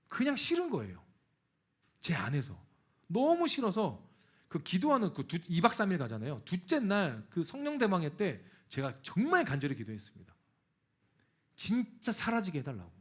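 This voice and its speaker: A man's voice: high voice, husky. A middle-aged man preaching a sermon as a pastor, telling a personal story and acting out the quoted lines. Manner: animated, acts out quoted dialogue. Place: church sanctuary.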